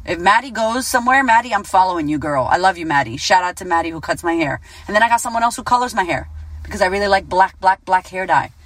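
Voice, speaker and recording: A blunt woman in her thirties, a business coach and podcast host, delivers a casual motivational monologue, swearing freely and sounding animated. Her voice is fairly low-pitched and fast, with no echo.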